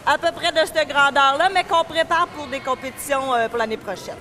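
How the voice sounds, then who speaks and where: Her voice sits high and sounds bright and forceful, delivered briskly, with slight background noise in an indoor pool area. A woman in her thirties from Quebec, Canada, with a Québécois French accent, she is a diving club vice-president and coach talking casually as an interview guest, hesitant with many fillers and restarts.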